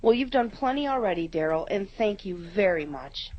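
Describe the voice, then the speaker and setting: A homely, courteous woman neighbor, played by an actress speaks in a radio drama at a medium pitch. Her turns of phrase are plain and polite, and the recording is slightly dull. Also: animated, normal speed, close to an everyday voice. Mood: weary, wry. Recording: slightly muffled audio.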